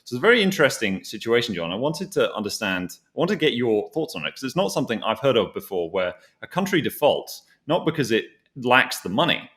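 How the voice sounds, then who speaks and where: A man's voice: medium pitch, big pitch swings, a little fast, hardly any pauses, a bit bright. A man hosting a conversational financial discussion, explaining things as he goes and often rewording his phrases. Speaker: host asking a co-presenter for his thoughts.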